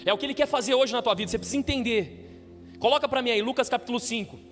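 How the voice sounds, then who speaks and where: A man's voice: very high voice, fast, fairly bright tone. Man, pastor preaching, call-and-response, faint music, long hall reverb. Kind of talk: sermon. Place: church hall.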